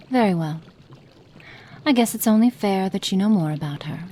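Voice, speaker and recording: A woman voicing a cruel, cold witch experimenting on a captive in an ASMR roleplay, speaking slowly and menacingly and slipping into soft whispers. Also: mid-range voice, animated, a little hiss or hum, lightly acted. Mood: clinical, curious.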